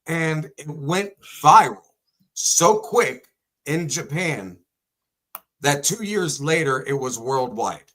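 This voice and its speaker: Casual male co-host with a higher voice. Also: animated, slow pace, sharp tone, rough recording. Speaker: talk show co-host. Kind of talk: casual chat and storytelling.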